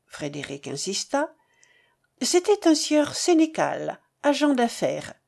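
A woman narrating a novel in an expressive, measured reading. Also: sits high, vocal fry. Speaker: audiobook narrator.

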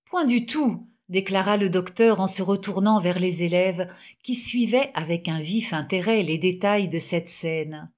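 A woman narrating a classic novel in a measured, even reading. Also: fairly low pitch. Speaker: audiobook narrator. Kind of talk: scripted narration.

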